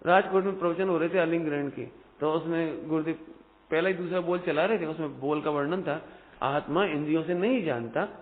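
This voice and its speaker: A man giving a devotional discourse to a hall audience, animated and questioning his listeners, rising to loud emphatic peaks. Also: a little high. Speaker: Jain discourse speaker. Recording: phone-like audio in a reverberant hall.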